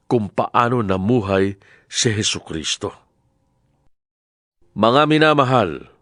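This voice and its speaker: A man with a Filipino accent giving a solemn, measured, declamatory dramatized reading of scripture as a Bible narrator. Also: medium pitch, a bit bright, no room sound, clean studio sound. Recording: music bed under the voice. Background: background music.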